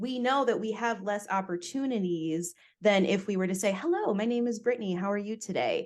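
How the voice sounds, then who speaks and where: Speaking at a fairly quick pace, a woman with an American accent has a medium pitch, an animated tone and ordinary pitch variation. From Chicago suburbs, US Midwest. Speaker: employer brand lead, podcaster. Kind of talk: podcast interview.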